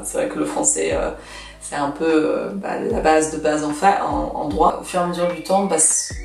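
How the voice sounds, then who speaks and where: Twenty-something woman, chatty and blunt, echoey room, sounds a bit far from the mic. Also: sits low. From Russia. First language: Russian. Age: 20s. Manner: chatty, frank, lots of fillers. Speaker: vlogger. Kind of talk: casual advice vlog.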